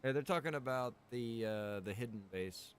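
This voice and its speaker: A man's voice: medium pitch, moderate pace, a little hiss or hum. A man talking casually while playing an online game. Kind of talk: casual chat during a game.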